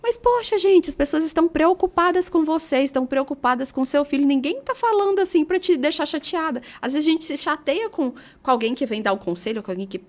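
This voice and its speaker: Woman, Brazilian Portuguese accent, high voice, earnest and emphatic interview guest. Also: lively intonation. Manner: emphatic, earnest, quick to agree. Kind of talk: casual interview chat.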